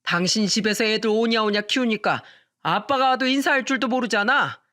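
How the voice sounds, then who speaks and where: A drunk, bossy husband yelling, as a woman puts him on. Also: fairly high pitch, a little fast, lightly acted. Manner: slurred, domineering yelling. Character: drunk, bossy middle-aged husband shouting at his family. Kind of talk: radio story reading.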